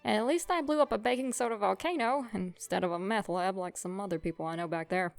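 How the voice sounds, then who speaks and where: A young woman narrating a comic childhood story in a wry, self-mocking, expressive way. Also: mid-range voice, fast, creaky, dry recording, faint music behind.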